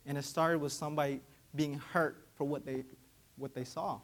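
A man's voice: a little high, steady tone, moderate pace. A young man with Vietnamese as his first language, preaching a sermon in a conversational way and often asking "right?". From Vietnamese American, raised in Georgia. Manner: conversational, frequent "right?" tag questions.

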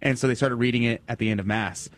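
A man's voice: medium pitch, steady tone, fast, no echo. A man hosting a call-in radio quiz, teasing and upbeat. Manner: teasing, playful quizmaster. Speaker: radio host.

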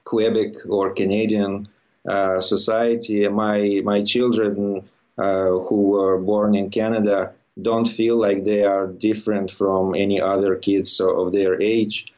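The recording is dull and lo-fi, carrying the low voice of a middle-aged man with a Russian accent. He is a guest in an interview, talking conversationally. His delivery is halting as he feels his way toward the right words. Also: flat delivery, darkish tone. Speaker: interview guest, immigrant to Quebec. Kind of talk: conversational personal account in an interview.

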